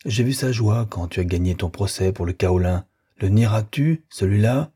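A bitter young lover, read by a man narrating a novel, spitting accusations and then turning icily contemptuous. The voice is low, dark and very husky. He sounds wounded and unforgiving. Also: animated, moderate pace. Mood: accusing.

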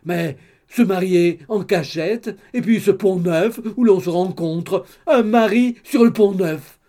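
Guy doing a loud gossipy mom in an audiobook, higher and mellow, never stops talking. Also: slow. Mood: scandalized. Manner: chattering, exclamatory, loud. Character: gossipy indiscreet middle-aged mother, excitable. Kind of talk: audiobook character reading.

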